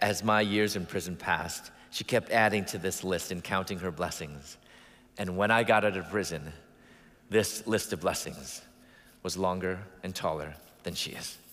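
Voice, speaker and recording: A man with an American accent speaks at a very deep, low pitch and a moderate pace, with fairly even intonation. Long, frequent pauses and audible room echo mark the clip. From US Midwest (Chicago suburbs). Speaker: preacher and author. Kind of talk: sermon. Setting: church.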